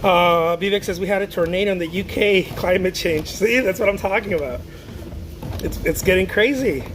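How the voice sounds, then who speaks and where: Man from Mexico, artist chatting on a livestream, slightly high voice, rambling with restarts, steady background noise. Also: moderate pace. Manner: rambling, many restarts and fillers, reads viewer comments aloud. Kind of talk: casual livestream chat.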